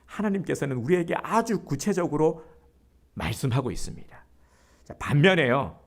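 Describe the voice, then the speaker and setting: Gravelly, emphatic male pastor. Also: on the high side, very animated, normal speed. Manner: emphatic, leads the congregation in repeating verses. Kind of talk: sermon.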